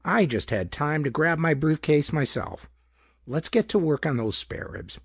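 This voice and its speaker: An easygoing henpecked husband from a pulp crime tale, played by a male reader. He is evasive and placating, with a husky voice recorded very dry. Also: on the high side, sing-song, measured pace, dry recording, pitched above the performer's own voice, full character voice. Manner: mumbling, placating.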